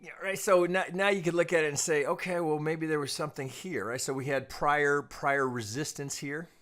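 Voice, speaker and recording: A man giving an informal technical analysis lesson as a trading analyst, explaining in a measured, cautious way with repeated phrases and frequent check-ins. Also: on the high side, steady tone, fairly bright tone. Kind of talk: informal technical analysis commentary over charts.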